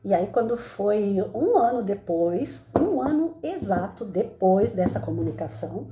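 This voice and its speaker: A woman's voice: mid-range voice, very animated, measured pace, reverberant, background noise. A middle-aged Brazilian woman presenting a Spiritist study, talking conversationally and often adding tag questions. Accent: Brazilian Portuguese. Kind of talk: spoken Spiritist study talk with personal story.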